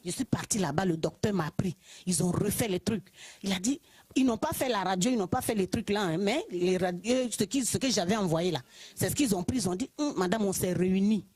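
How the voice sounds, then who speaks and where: A woman from Côte d'Ivoire with an Ivorian French accent, telling her personal testimony in church in a lively way, often laughing. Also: mid-range voice, fairly quick, husky, dry recording. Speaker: church member giving testimony.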